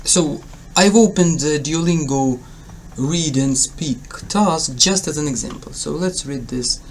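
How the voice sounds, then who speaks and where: A man's voice: on the high side, takes it slowly, slight background noise. A man from Ukraine with a Ukrainian accent, an English test tutor talking casually to his viewers, hesitant with many fillers and self-corrections but encouraging. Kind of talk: casual spoken tutorial to camera.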